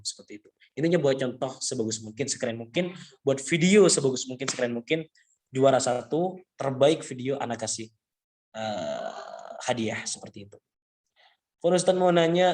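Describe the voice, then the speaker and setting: A man's voice: medium pitch, a little mellow. A man teaching Arabic in an online class, talking casually to his students and repeating phrases often. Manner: casual, repetitive, addresses students as antum. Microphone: video call.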